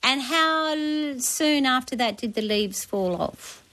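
A woman's voice: high-pitched, expressive, takes it slowly, sharp tone. An Australian woman on talkback radio, giving practical advice in a chatty, colloquial way as the resident expert. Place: radio studio.

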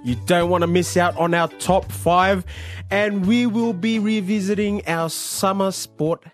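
A man's voice: high-pitched, steady tone, unhurried, faint music behind. A man co-hosting casual sports radio banter, joking and laughing readily. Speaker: co-host.

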